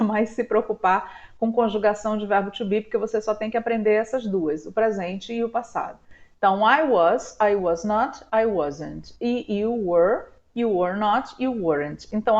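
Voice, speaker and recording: A Brazilian woman teaching an online language lesson. She stretches out her model words slowly and checks in often with "tá?". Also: medium pitch. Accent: Brazilian Portuguese. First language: Portuguese. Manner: slow drawn-out model words, frequent "tá?". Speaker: English teacher. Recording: slightly dull lo-fi sound.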